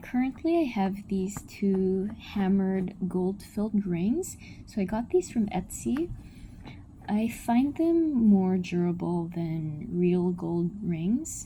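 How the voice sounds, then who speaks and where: Soft-spoken and somewhat breathy, a woman speaks at a very slow pace in a medium pitch. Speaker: vlogger. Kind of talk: show and tell vlog.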